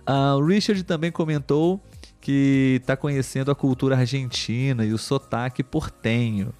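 Brief: man, mid-pitched, patient teacher closing a live stream, faint music behind. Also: steady tone, normal speed, a little mellow. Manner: patient, teacherly, many "ah" and "né" tags. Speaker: host of a live stream for Portuguese learners. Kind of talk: friendly live-stream wrap-up, reading viewer comments.

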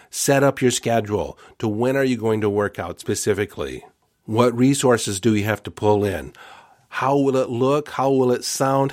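A man's voice: mid-range voice, a little mellow, dry recording, studio quality. Upbeat male motivational podcast host. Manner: upbeat, coaching, addresses listener directly.

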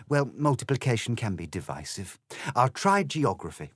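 A man's voice: medium pitch, sing-song, normal speed, breathy edge, no echo, studio quality. A man voicing a confused, indignant little girl in a storybook, speaking primly and earnestly with exclamations. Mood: puzzled.

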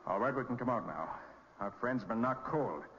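An actor playing a confident, commanding detective with clipped delivery in a 1940s radio crime drama. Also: male voice, mid-range voice, expressive, moderate pace, fairly bright tone, lightly acted. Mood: assured. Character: confident male detective, quick-thinking, commanding and dryly terse. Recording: dull, noisy old radio recording, reverberant.

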